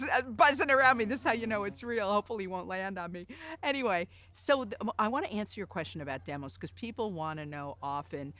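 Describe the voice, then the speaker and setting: A woman's voice: medium pitch, fairly bright tone. A woman hosting a coaching video blog outdoors, chatty and addressing the viewer directly with questions. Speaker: host, voice-over coach. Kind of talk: video blog, talking to camera. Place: outdoors in a park.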